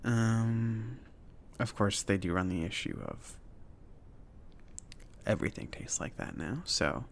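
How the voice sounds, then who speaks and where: Male performer as gentle, slightly awkward potion-shop mage for ASMR roleplay. Slow, creaky, casual delivery, faint noise behind. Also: lowish voice, expressive, exaggerated voice. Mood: friendly, hesitant. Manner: halting, casual, chatty, filler-laden. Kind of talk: soft-spoken ASMR roleplay.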